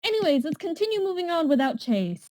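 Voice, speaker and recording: Deadpan young Canadian woman, mellow tone. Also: extremely high pitch, fast, dry recording. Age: young adult. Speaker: podcast co-host. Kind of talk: casual podcast chat.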